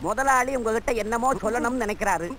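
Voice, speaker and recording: A shrill scheming comic sidekick. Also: male voice, quick pace, fairly bright tone, slight background noise, rough recording. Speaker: comic sidekick of a stage troupe. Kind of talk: 1980s Tamil film comedy.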